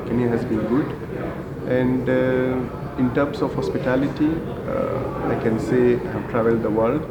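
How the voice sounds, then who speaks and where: A man from India, in his forties, answering interview questions as a hotel group general manager, halting with many fillers and restarts. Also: mid-range voice, fairly even intonation, lo-fi sound, loud music behind the voice. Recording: echoey room with loud ambience.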